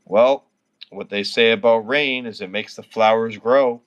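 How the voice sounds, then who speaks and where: A man's voice: lowish voice, a little slow, lo-fi sound. A man in his thirties, drunk and slurring, rambling and swearing constantly while chatting with viewers on a livestream. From Canada. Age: 30s. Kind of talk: casual livestream chat with viewers.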